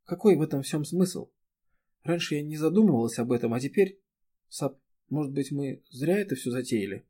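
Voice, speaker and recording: A man's voice: on the high side, expressive, warm tone, slightly rough. A man voicing a tearful, frightened young woman. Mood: hesitant worry. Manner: pleading, halting, breaking into sobs. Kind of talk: audiobook character reading.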